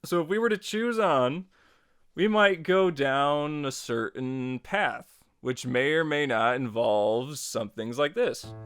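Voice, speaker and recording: A man narrates a casual how-to tutorial in a smooth, clear voice of average pitch. He is chatty and playfully wry. The sound is dry, with no room echo. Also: slow, a bit bright. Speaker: tutorial host.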